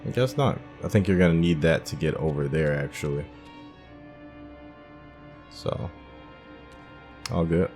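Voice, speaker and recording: Male gamer, extremely low pitch, casual off-the-cuff playthrough commentary, muttered thinking aloud, music underneath. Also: a little slow, long pauses, a little mellow. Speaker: gamer, video game playthrough host. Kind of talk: casual, unscripted gameplay commentary.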